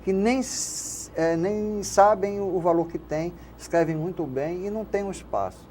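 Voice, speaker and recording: An older Carioca man from Rio de Janeiro, guest in a casual interview, is a radio station manager and poet. His voice is high and darkish at a moderate pace, and he rambles reflectively in Carioca Brazilian Portuguese, frequently tagging sentences with "né?". The recording has faint background noise.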